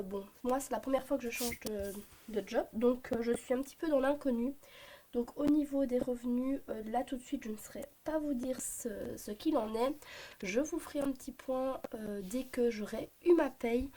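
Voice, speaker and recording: A woman in her thirties with a Belgian French accent, hoarse from a cold, chatting to camera about her family budget with many hesitant fillers. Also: a little high, warm tone, slight background noise. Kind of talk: casual talk to camera. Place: home at a desk, morning.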